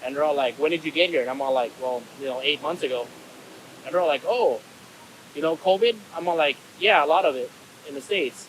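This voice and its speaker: Amid noticeable background noise, a man with an American accent and a fairly high pitch talks very fast, with long, frequent pauses. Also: ordinary pitch variation. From Texas. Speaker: interviewer. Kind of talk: casual interview. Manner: animated.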